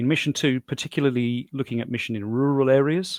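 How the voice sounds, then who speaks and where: The speaker has a London accent and a moderate pace. The recording is very clean and dry, with a silent background and no echo. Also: man. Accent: London accent when speaking English. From South London, England. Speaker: youth minister, charity founder. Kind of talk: interview. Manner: hesitant, many fillers.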